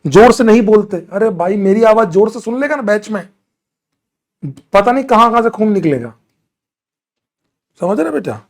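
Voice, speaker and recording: A man's voice: high voice, lively intonation, normal speed, long pauses. A man teaching chemistry in a live online class, answering student doubts from the chat and scolding and teasing them as he goes.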